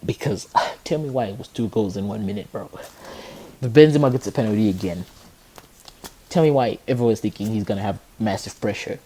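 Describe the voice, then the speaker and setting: A young man talks football on a podcast in a husky, slightly rough voice with a warm, mellow tone. He gets worked up fast, laughs a lot and keeps repeating himself for effect. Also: lowish voice. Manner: excitable, keeps repeating "tell me why", laughs often. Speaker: podcast host. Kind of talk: casual football chat.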